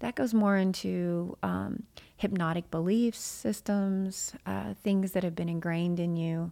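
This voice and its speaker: Speaking at a fairly slow pace, a woman with a fairly low pitch and ordinary pitch variation is heard on a very clean recording with a silent background. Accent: Southern US. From Arkansas (Jonesboro). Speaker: emotion code practitioner and yoga instructor. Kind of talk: casual interview; guided breathing instruction.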